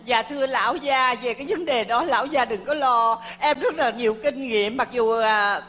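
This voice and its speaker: A woman playing a brash, sharp-tongued market woman. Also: on the high side, big-room sound, close to an everyday voice. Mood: sweet-talking. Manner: brash, fast-talking insults. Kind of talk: stage comedy sketch. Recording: live stage with crowd noise.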